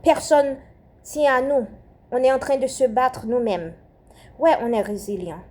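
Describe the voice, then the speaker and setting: A woman's voice: high-pitched, measured pace, darkish tone. A young Haitian-born woman with a French accent giving a fervent spoken prayer message, repeating phrases and often restarting her sentences. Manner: fervent, repetitive, with hesitations and restarts. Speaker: Christian speaker.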